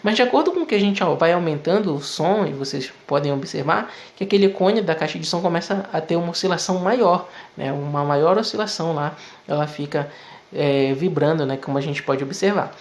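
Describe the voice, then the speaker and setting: A man's voice: fairly high pitch, fairly quick. Man, physics teacher, video lesson, conversational, step-by-step explaining, frequent tag questions.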